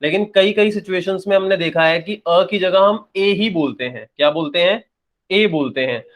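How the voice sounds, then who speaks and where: His voice sits high and a bit bright, moving at normal speed, as this young Indian man delivers an English grammar lesson. He explains and checks like a teacher in class, repeating points and responding to his own questions.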